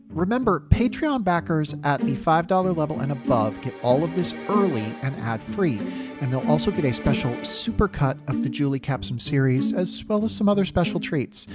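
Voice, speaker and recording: A man reading a scripted promotional announcement as a podcast host. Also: medium pitch. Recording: prominent music behind. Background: music.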